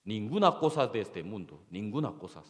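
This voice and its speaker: A man preaches to his congregation in a church, pausing often and repeating his key phrases. He keeps asking quick rhetorical questions to draw the listeners in. His lively, swinging pitch rings out with a long reverb through the hall. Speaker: pastor. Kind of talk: sermon.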